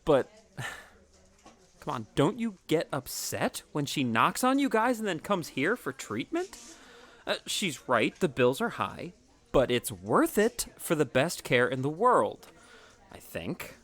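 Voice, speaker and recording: A man's voice: on the high side, big pitch swings, takes it slowly, fairly bright tone, exaggerated voice. A man playing an anxious young father in a naturalistic audio drama, hesitant and awkward in his talk. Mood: awkward small talk. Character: anxious ordinary young father, former patient.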